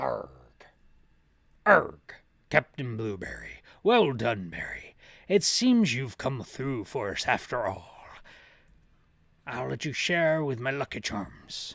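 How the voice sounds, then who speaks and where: A man uses a put-on character voice at a medium pitch, speaking at a fairly slow pace. Long, frequent pauses break up his lines in a very clean recording with a silent background. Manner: gruff, arrr-ing, jokey.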